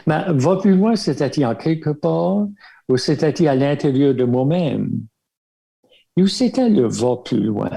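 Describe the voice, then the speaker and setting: A religious brother and older Acadian man from Baie Sainte-Marie, Nova Scotia, talks as a guest in a relaxed storytelling interview, his accent the Acadian French of that area. His gravelly, mellow voice is fairly high and animated. He reminisces at a measured pace, with fillers and light chuckles interrupting his sentences.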